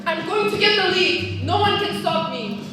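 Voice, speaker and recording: A woman's voice: very high voice, expressive, moderate pace. A woman playing a pushy, desperate girl. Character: eager ambitious girl hungry for the lead. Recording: echoey stage from far off, music.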